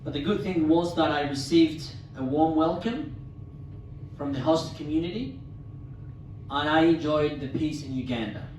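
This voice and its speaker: A man from Somalia in his thirties, giving a prepared, formal talk as a guest speaker at a club dinner, with measured delivery and occasional restarts. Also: a little high, a little mellow, far from the mic, a little hiss or hum. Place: club meeting room. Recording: echoey hall, speaker away from mic.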